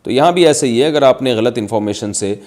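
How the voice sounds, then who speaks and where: A man's voice: medium pitch, animated, a little mellow. Male scholar answering viewer questions; patient, explains step by step with plain examples. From Pakistan.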